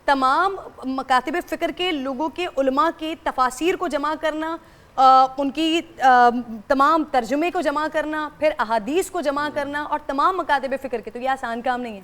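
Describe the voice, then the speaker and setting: High-voiced woman hosting a talk show. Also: a bit bright. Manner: effusive, asks the guest long questions. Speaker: TV show host.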